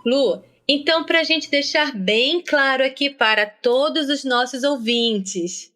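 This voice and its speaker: A woman's voice: high-pitched, slow pace, a bit bright. A Brazilian woman hosting a podcast, speaking in a conversational interviewing style. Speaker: podcast host.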